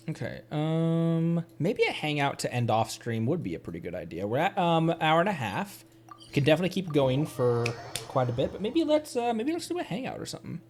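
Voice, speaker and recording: Man rambling casually, lively pitch. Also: normal speed. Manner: rambling, thinking aloud. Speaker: video game streamer. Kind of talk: casual livestream gameplay chat. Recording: game music behind the voice. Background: soft game music.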